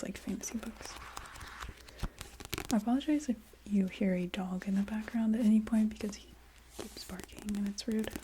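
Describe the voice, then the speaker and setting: A woman chatting casually in a soft ASMR voice that often drops into a whisper. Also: medium pitch, a little hiss or hum, rough recording. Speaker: ASMR video creator. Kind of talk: soft-spoken ASMR, casual rambling chat.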